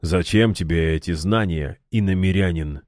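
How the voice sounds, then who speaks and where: A man voicing a created guardian who answers in a cold, flat, terse way. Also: sits low, moderate pace, no echo, studio quality, close to an everyday voice. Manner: cold, flat, sparing with words.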